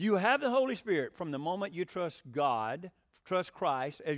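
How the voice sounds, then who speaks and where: A man has an ordinary speaking voice, with lively intonation and a fairly quick pace. The recording is very clean, with a silent background. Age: 60s. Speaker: pastor. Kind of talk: sermon.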